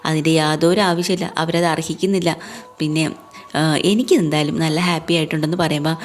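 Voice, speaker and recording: Chatty low-voiced woman. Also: fairly even intonation, brisk. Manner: chatty, adds tag words as she tells it. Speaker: serial story narrator. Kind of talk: casual retelling of a TV serial episode.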